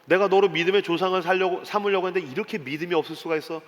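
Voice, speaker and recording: A man voicing a menacing, blunt tough-guy God who barks threats in rough slang, with a long hall echo. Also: high-pitched, steady tone, very fast, natural voice. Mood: scolding. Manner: gruff street-thug slang, barking orders.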